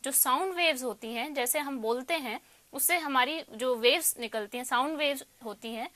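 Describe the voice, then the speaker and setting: A woman's voice: sits high, normal speed, pushed and bright, no room sound. A woman with an Indian accent giving an explanatory lesson as a tutor, posing questions and then answering them. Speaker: electronics tutor. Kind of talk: explanatory lecture mixing Hindi and English.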